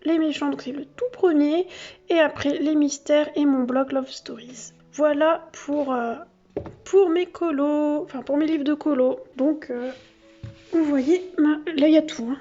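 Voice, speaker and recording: A craft vlogger films a casual show-and-tell from her home office under yellow artificial light, chatting as she shows her collection. Her voice is high with a dark tone and an unhurried pace, full of fillers and self-corrections. The audio is dull, with faint music behind her.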